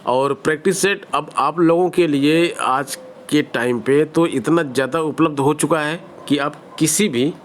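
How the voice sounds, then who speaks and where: A man with a Hindi accent giving exam-preparation advice to students in a direct, conversational teaching style with everyday examples. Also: on the high side. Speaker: online exam-prep teacher.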